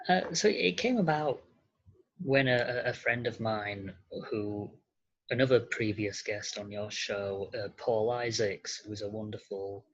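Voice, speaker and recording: On slightly muffled audio, a podcast guest with a masculine-sounding, medium-pitched voice answers conversationally, halting and hesitant.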